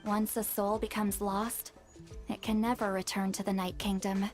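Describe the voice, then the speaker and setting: A woman's voice: medium pitch, flat delivery, normal speed, natural voice. A woman playing a blunt, solemn tribal shaman in a video game, explaining with authority over music. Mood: grave. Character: Citlali, blunt, solemn female tribal shaman, knowing and commanding.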